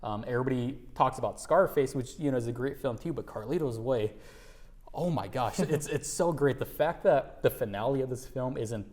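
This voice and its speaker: A man's voice: medium pitch, normal speed, darkish tone. A young man hosting an interview, upbeat and laid-back, with lots of fillers. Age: young adult. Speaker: host. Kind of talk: casual interview chat.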